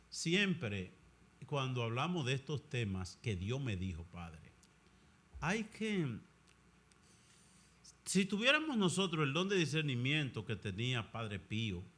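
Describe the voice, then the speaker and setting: A man who is a Catholic priest, talking in an animated conversational way and sometimes acting out other people's voices. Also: medium pitch. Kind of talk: conversational discussion.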